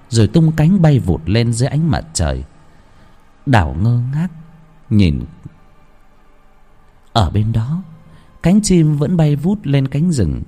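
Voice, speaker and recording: A man narrating a ghost story in a slow, somber, scripted way. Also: medium pitch, mellow. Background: faint music.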